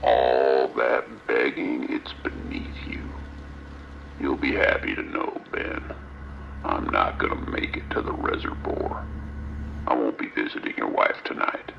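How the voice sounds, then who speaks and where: A man's voice: a bass voice, heavily acted. An actor playing a menacing, theatrical male villain in a horror radio drama, mocking and intimate over a radio. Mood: sinister mocking. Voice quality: gravelly, breathy at times. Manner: drawn-out, mocking, intimate address. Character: menacing taunting male villain named Happy Jack, theatrical and sinister. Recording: muffled radio transmission with static noise.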